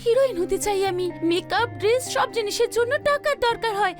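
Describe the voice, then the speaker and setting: A woman's voice: very high-pitched, fairly quick. A woman playing a vain female cartoon animal, theatrical and indignant, who dreams of stardom. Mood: dramatic. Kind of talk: animated cartoon voice acting in Bengali. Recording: loud music behind.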